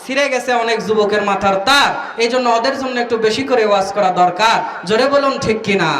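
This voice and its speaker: A man's voice: high-pitched, normal speed, background noise. A man preaching a waz sermon, calling on the crowd to answer and breaking into sung verses. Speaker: Islamic preacher. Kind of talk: Bengali waz sermon at an outdoor gathering. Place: tent gathering of a crowd. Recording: echoey loudspeaker sound from far off.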